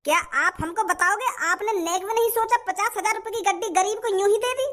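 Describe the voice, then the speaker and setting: Eager male news reporter, squeaky and gushing, as a man voices him. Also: fairly quick, bright, forceful tone. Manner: gushing interviewer.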